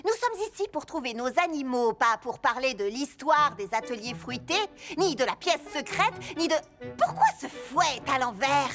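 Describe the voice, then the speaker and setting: A woman voicing an anxious, chatty, sweet young girl in a French cartoon dub, with an expressive, dramatic delivery. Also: high-pitched, normal speed, music in the background. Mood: hesitant, impatient.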